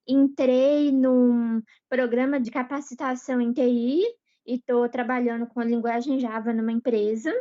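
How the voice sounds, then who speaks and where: A woman in her thirties, a podcast guest, speaking in a measured way in casual chat. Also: on the high side, level tone, dark tone. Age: 30s. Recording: dull lo-fi sound.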